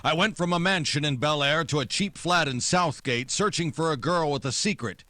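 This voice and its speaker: An actor playing a hard-boiled private detective in a 1940s-style radio drama, terse, wry and world-weary. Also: male voice, on the high side, normal speed, pushed and bright, dry recording. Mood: grim, cynical. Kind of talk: 1940s noir radio drama narration and dialogue.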